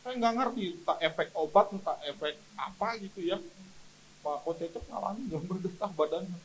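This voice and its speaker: A man's voice: sits high, normal speed, slight background noise, low-quality recording. A man preaching a sermon as pastor at a church service, telling stories with emphatic delivery.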